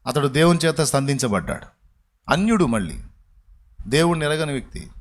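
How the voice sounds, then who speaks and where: A male pastor preaches in a voice pitched a little above the usual for men. He tells his story dramatically, swinging from loud exclamations down to hushed lines as he acts out the people in it. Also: expressive, normal speed. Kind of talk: sermon storytelling.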